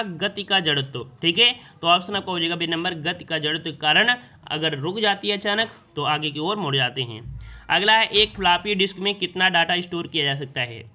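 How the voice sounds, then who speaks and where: A man's voice: high-pitched, sharp tone. A man teaching exam prep, reading quiz questions and explaining each answer, often repeating the question to his students.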